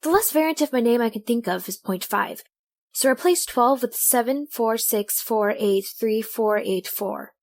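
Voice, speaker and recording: A woman as an earnest, higher-voiced young female tinkerer. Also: moderate pace, lightly acted. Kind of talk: amateur audio drama acting.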